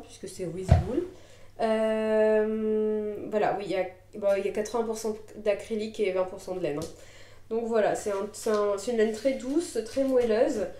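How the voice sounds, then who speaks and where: A woman talking through her knitting in a relaxed show-and-tell vlog, at a middling pitch for her sex. She is just getting over a cold and often stops and restarts her sentences. The camera mic picks her up in an echoey room at home. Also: slight background noise. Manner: chatty, hesitant, many fillers and restarts. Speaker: knitting podcaster.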